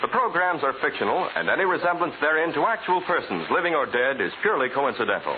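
A man's voice: on the high side, sing-song, fast talker, very noisy. A man with an American accent announcing in polished, formal 1940s radio style. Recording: narrow 1940s radio recording. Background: music.

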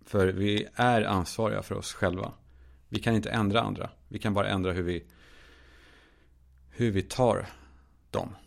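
A man's voice: lowish voice, fairly even intonation, gravelly, pauses often. A man hosting his own podcast, talking in a candid, musing solo monologue, swearing casually with lots of fillers and restarts. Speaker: podcast host.

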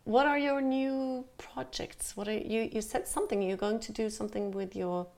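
A woman's voice: a little high, fairly even intonation, normal speed, vocal fry, darkish tone. A woman hosting an interview, asking curious, probing questions in a casual way. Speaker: podcast host.

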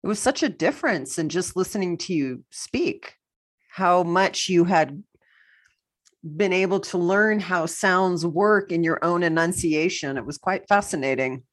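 A woman with a low voice hosts a casual podcast. She asks questions in a warm, encouraging way and reacts with enthusiasm. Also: lively intonation, a little slow. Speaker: podcast host.

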